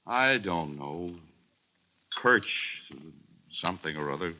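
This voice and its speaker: An actor playing a weary, patient husband in 1940s radio acting, curt and defensive. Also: male voice, deep voice, lively intonation, slow, background noise. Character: weary, patient husband, a middle-aged office man.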